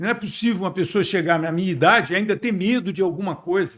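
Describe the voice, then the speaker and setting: Very fast and lively in intonation, a man talks at a high pitch. The recording is very clean with a silent background. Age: 70s. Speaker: retired army general. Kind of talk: podcast interview.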